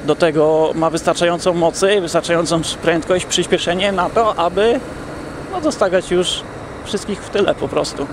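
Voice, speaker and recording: A young man talking casually to viewers while riding a motorcycle through city traffic, in a relaxed, chatty way. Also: sits high. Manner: relaxed, chatty, addresses viewers directly, drawn-out fillers. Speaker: motovlogger. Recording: helmet mic with wind and traffic noise.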